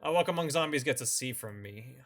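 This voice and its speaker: A man's voice: medium pitch, animated, a little fast, fairly bright tone, soft background music. A man hosting a review in semi-scripted commentary, opinionated and given to informal asides. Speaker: host of a visual novel review channel.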